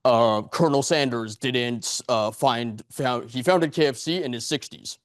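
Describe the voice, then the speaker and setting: A man in his twenties speaks as a motivational public speaker with a mid-pitched voice and a dry, close sound. He is earnest and loose in structure, wandering off and circling back with repeated phrases and rhetorical questions. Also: measured pace, dry recording. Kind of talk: motivational speech to a live audience. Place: meeting room before an audience.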